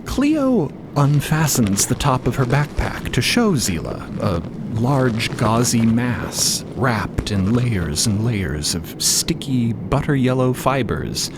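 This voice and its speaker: A man's voice: medium pitch, sing-song, slow, noisy background. A man narrating a scripted audio drama as a storyteller.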